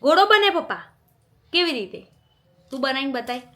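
A young mother with a fairly high voice coaxes her little one in playful sing-song baby talk. She chats casually at home, drawing out words to get the child to repeat them. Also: big pitch swings, moderate pace, sharp tone. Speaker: mother and family vlogger. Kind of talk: casual family chat with a toddler.

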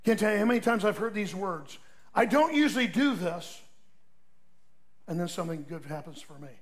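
An older man, a pastor, preaching a sermon in a folksy storytelling way, swinging between loud emphatic peaks and soft asides. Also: sits high, lively intonation, normal speed.

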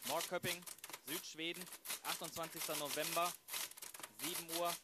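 A man's voice: a little high, fairly even intonation, normal speed, heavy background noise, lightly acted. A man playing the solemn narrator of a crime radio play.

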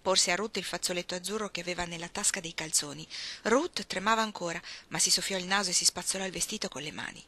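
A woman reading a novel aloud in an expressive storytelling manner. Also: fairly low pitch, fast. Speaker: reader.

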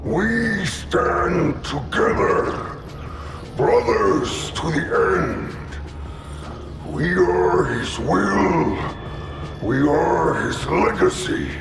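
A man voicing a menacing, zealous brutish alien warrior in a video game, with a gravelly, husky growl and solemn, declamatory delivery. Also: on the high side, sing-song, drawn-out words, long pauses, exaggerated voice. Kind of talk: video game trailer acting.

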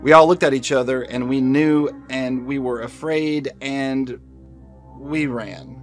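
An actor playing a weary, haunted senior FBI agent in an audio drama, speaking in a grave, halting, pleading way. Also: male voice, mid-range voice, steady tone, faint music behind, lightly acted. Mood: shaken, afraid.

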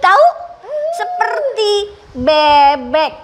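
A woman teaching young children with special needs in a radio lesson, speaking slowly with exaggerated enunciation and frequent praise. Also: very high voice, huge pitch swings, noisy background.

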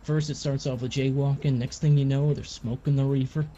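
A man's voice: mid-range voice, level tone, fairly quick, mellow, natural voice. A man playing an easygoing, paternal lawman in improvised game role-play, talking in a mild, hesitant way. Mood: casual. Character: easygoing small-town lawman, paternal and folksy. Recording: dull, faintly noisy game voice chat.

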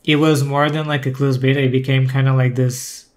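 A man's voice: mid-range voice, little pitch movement, a little fast. Podcast guest, male, conversational, thoughtful, frequent restarts. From Brazil. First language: Portuguese. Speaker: guest, former community manager.

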